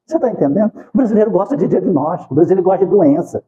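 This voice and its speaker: A man's voice: high-pitched, lively intonation, rapid-fire, dark tone, dull audio. A Brazilian man giving an informal spiritist talk, telling folksy stories, acting out dialogue and asking rhetorical questions. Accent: Brazilian Portuguese. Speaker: spiritist lecturer. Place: spiritist centre hall.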